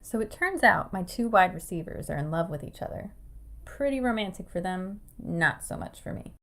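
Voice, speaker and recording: Creaky, laid-back college quarterback. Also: female voice, on the low side, animated, normal speed, fairly bright tone. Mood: sheepish. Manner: hesitant, simple, pondering. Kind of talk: audio drama acting.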